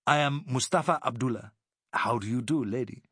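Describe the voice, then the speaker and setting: A man's voice: mid-range voice, brisk, bright, forceful tone, husky, dry recording, studio quality. A man voicing a shrewd, proud Arab boat captain who speaks formal, broken English with courtesy.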